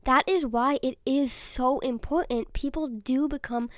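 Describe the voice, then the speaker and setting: A young woman with a high voice hosts her own podcast, slightly raspy and nasal from a cold. She speaks earnestly and personally, recorded close and dry with no room sound. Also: fairly even intonation, unhurried, dry recording. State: sore throat and stuffy nose. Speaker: podcast host. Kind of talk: solo podcast monologue.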